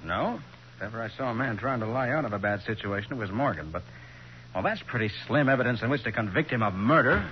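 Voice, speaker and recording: An actor playing a shrewd, assured male detective in a 1940s radio crime drama, brisk and probing. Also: medium pitch, animated, natural voice. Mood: shrewd, questioning. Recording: muffled, noisy 1940s radio recording.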